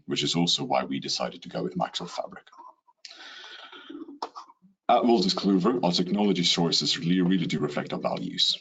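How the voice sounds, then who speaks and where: This Swedish-accented man from Sweden has an extremely low, slightly rough voice, captured in low quality by a computer mic on a video call. He gives a steady, rehearsed business webinar presentation, dropping in the odd "you know."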